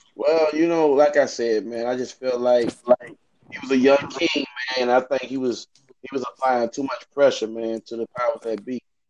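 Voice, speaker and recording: In a plain, everyday voice, someone speaks at a moderate pace with fairly even intonation, the sound dry and close with no echo. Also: man, medium pitch for a man. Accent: American. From US South. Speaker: entrepreneur. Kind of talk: casual chat.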